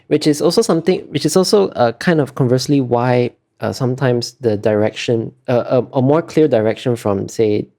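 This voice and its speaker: A man's voice: medium pitch, moderate pace, few pauses, warm tone. A man being interviewed as an artist, talking casually and explaining in a hesitant, self-correcting way.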